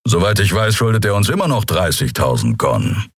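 Brief: a man voicing a blunt, growling creature crewman, low husky voice, slow, dry. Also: very animated, dry recording, exaggerated voice. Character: gruff hooded male beast-man crewman.

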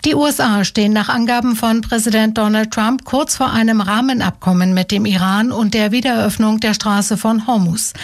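Measured woman newsreader. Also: on the high side, steady tone. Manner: measured, neutral. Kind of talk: scripted news reading.

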